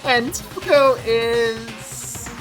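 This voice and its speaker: A woman's voice: on the high side, fairly even intonation, extremely slow, over music, pitched above the performer's own voice. A woman voicing a gleeful, sarcastic mascot villain from a game, with a teasing sing-song delivery. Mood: teasing, mock cheerful. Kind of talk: amateur game character voice-through.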